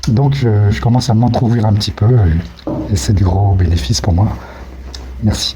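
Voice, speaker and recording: A man speaks at a fairly slow pace in a fairly low pitch, with very wide pitch swings and very even loudness. Noticeable background noise and audible room echo surround him. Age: 60s. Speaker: regular at a community meal. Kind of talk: interview testimony. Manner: halting, repeats words.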